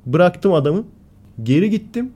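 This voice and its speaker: A man co-hosting a casual podcast chat, telling stories animatedly and acting out the loud lines of the people in them. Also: high-pitched, unhurried. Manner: animated storyteller, acts out quoted shouting. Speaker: podcast co-host.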